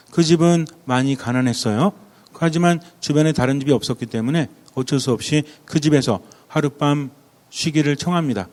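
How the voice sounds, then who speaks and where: A Catholic priest preaching in a reverberant church. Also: male voice, on the high side. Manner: lively, questions the congregation directly. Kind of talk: sermon with a told story.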